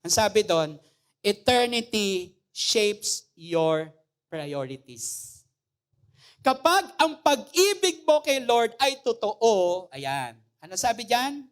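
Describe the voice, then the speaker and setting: A woman pastor preaching a sermon with humor. She often asks the congregation "Amen?" and swings between loud, emphatic phrases and soft asides. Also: mid-range voice, very animated, slow.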